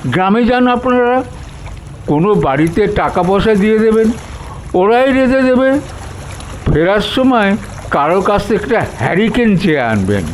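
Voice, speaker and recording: Man acting old village gardener, high voice, humble n wary, swoops around, storytelling recording w/ faint noise. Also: animated, normal speed, poor audio. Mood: obliging, cautious. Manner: deferential, cautioning. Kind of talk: dramatized audio story reading.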